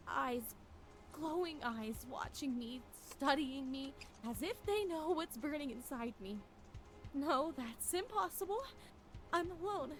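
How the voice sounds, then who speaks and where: A woman playing a fearful wife losing her grip on reality, narrating a horror game in a brooding, halting, theatrical way. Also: sits high. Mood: anguished, dread. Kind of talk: dramatic first-person horror game narration.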